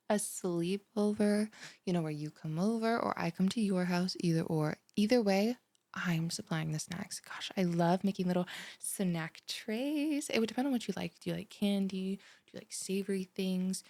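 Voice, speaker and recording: A woman's voice: mid-range voice, moderate pace, a little mellow, dry recording, close to an everyday voice. Woman acting a chatty bubbly ditzy student girl, close dry sound. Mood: bubbly, gushing. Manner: gushing, rambling, dramatic gasps and sighs. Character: chatty, bubbly, ditzy young female student, eager and easily offended. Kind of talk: one-sided audio roleplay acting.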